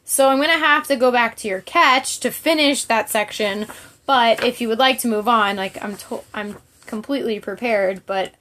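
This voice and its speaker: A woman's voice: a little high, moderate pace, bright, forceful tone. A woman chatting casually to viewers as a livestream host, candid and rambling in a giggly, informal way.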